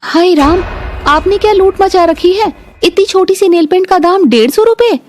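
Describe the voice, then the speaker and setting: A woman's voice: very high-pitched, expressive, normal speed, a little mellow, slight background noise, pitched above the performer's own voice. A woman voicing a naive, earnest young daughter-in-law from a poor home in a cartoon story. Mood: indignant. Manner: naive, earnest, speaks of herself as "we". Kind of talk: cartoon voice acting.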